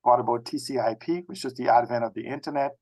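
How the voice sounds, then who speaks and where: A man in his sixties from the Bahamas with a Bahamian accent, talking as an interview guest in a halting, circling way with repeated phrases. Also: mid-range voice, fairly even intonation, darkish tone. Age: 60s. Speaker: interview guest, technology expert. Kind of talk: conversational autobiographical interview talk.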